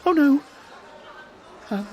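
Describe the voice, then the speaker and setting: A man's voice: slow pace, background noise, natural voice. A man acting in an audio drama as a sly, flippant, scheming trickster god bickering with his brother, glib and self-satisfied but given to hedging. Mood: sheepish, sly.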